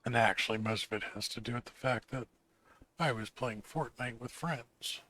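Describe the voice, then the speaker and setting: Brief: hoarse male gaming host, mid-pitched, relaxed unhurried let's-play chatter. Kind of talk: casual let's-play commentary.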